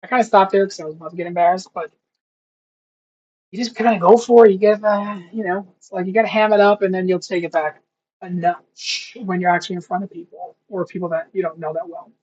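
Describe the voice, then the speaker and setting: A young man thinking aloud in a casual study vlog, rambling and slowly sounding out foreign words. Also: high voice, steady tone, darkish tone, slightly rough. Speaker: language learner vlogger. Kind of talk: casual self-talk while studying. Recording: dull lo-fi recording.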